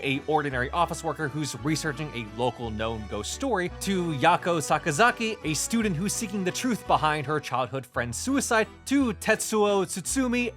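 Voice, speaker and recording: A man's voice: on the high side, a bit bright. A man narrating a scripted video game review as the host, with emphatic phrasing.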